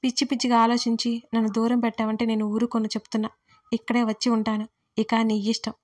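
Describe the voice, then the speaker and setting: A woman's voice: on the high side, completely flat delivery, quick pace, darkish tone, close to an everyday voice. A woman voicing a hurt, demanding adult daughter who confronts her parents in an audiobook family drama. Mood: tearful. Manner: reproachful, emotional. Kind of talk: audiobook role reading.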